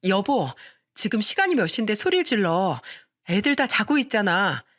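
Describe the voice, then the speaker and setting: A woman's voice: medium pitch, very animated, normal speed, fairly bright tone. A woman reading a radio story, voicing an exasperated young wife who sharply scolds her drunk husband. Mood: scolding.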